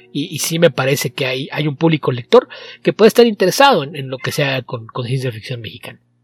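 A man at a very fast pace and fairly high pitch, lively in intonation with big swings in loudness, a dry, close sound with no echo, and music in the background. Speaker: translator and editor. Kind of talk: casual chat. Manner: halting, frequent repetitions.

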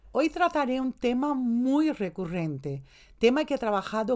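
Very wide pitch swings run through a woman's fairly slow speech in a very clean recording with a silent background. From Brazil, São Paulo. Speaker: psychologist, self-esteem podcaster. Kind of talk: advice podcast monologue.

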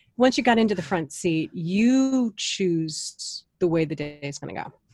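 A woman with a fairly low pitch uses lively intonation in an unremarkable speaking voice. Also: dry, close sound with no echo. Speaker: TV journalist and marathoner. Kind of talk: casual interview conversation. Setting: closet at home.

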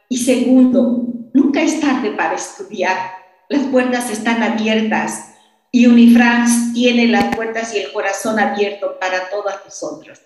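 Fairly high female voice, fairly slow, with ordinary pitch variation and audible room echo. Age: 50s. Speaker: psychology student. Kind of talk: casual chat.

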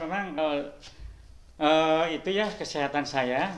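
A high-pitched man at a very slow pace, with ordinary pitch variation and audible room echo. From West Java, Ciamis. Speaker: blind hospital laundry worker. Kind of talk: interview. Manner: halting.

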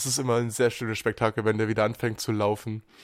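A voice with a Saxon accent comes through in a very clean recording with a silent background. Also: man. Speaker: metal podcast co-host. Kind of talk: casual chat.

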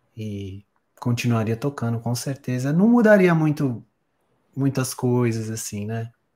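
Over a silent background in a very clean recording, a man speaks very slowly with lively intonation. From São Paulo, Brazil. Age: 40s. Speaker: musician and music teacher. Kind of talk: casual interview.

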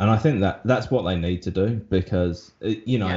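A man with an English accent speaks at a moderate pace in a very deep, low voice that is somewhat breathy, his pitch varying in an ordinary way. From England. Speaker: podcast co-host. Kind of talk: casual chat.

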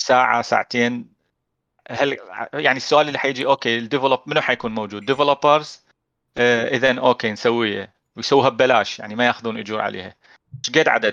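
Fairly quick and fairly even in intonation, the bright, sharp voice comes through a dry, close sound with no echo and a quiet background. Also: man, medium pitch for a man. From Iraq. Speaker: games industry business developer. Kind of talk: casual interview.

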